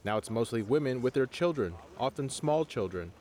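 A male official calmly describing the situation in a news interview clip. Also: mid-range voice, normal speed, slight background noise.

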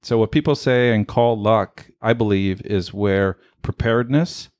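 Male podcast host in his forties, native Spanish speaker, lower voice, hesitant and repetitive questioner. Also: darkish tone, no echo. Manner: halting, repetitive questions full of fillers. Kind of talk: casual podcast interview.

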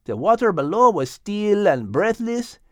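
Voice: medium pitch, very animated, a little slow, no echo, pitched above the performer's own voice. A man voicing an earnest, grateful little male hummingbird telling of his travels with wonder in a storybook tale. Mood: awed, grateful.

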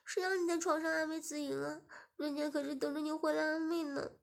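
A woman's voice: high-pitched, steady tone, normal speed, darkish tone, voice pushed up. A woman doing a whiny, pouting young wife. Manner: whiny, breathy pleading.

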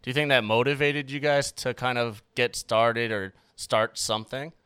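A man's voice: medium pitch, steady tone, moderate pace, pushed and bright, smooth, no room sound. A man hosting a casual interview, asking easygoing, rambling questions with plenty of fillers. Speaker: podcast host.

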